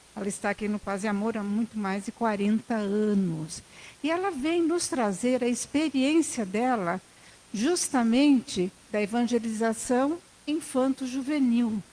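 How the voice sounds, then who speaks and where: The delivery comes at a fairly slow pace with lively intonation. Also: woman, fairly high pitch for a woman. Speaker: spiritist lecturer. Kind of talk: lecture.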